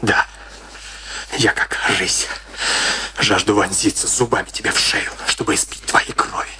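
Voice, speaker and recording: A man's voice: fairly low pitch, fairly even intonation, unhurried, pushed and bright, husky, full character voice. An actor playing a melancholy, darkly passionate man in a radio play, with theatrical intensity. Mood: guarded. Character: melancholy male friend turned darkly passionate seducer.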